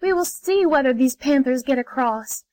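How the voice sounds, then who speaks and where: A woman's voice: very high-pitched, normal speed, fairly bright tone, no room sound, pitched above the performer's own voice. A woman voicing a chorus of brave little stingrays, eager and defiant, in a storybook reading. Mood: urgent.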